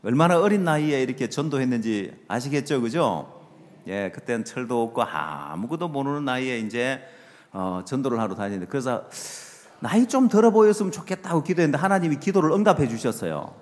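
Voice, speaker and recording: A middle-aged man preaches a sermon, his voice swinging widely up and down in pitch. He keeps asking the congregation questions and drops to quiet asides at the ends of phrases. The sound carries a long reverb from a large hall. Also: brisk. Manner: lively, rhetorical questions to the audience, trails off with low asides. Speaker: pastor.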